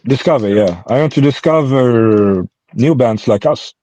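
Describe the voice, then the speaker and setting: Slow-talking man. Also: medium pitch, lively intonation, warm tone, poor audio. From Sweden and Brazil. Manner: hesitant, searching for words. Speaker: band member being interviewed. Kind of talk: casual interview chat in English as a second language.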